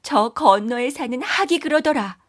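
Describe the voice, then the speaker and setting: A woman's voice: high voice, animated, moderate pace. A woman voicing a mother magpie who stands up to a bully with defiant taunts in a children's folktale. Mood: matter-of-fact.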